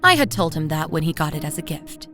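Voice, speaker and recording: Tired loving mom telling a creepy first person story, close and expressive, music under it. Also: female voice, deep voice, fast, heavily acted. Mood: tender, uneasy. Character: weary, devoted young mother recounting an unsettling night. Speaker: narrator of a horror audio drama. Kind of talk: first-person scripted horror narration. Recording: voice over music bed.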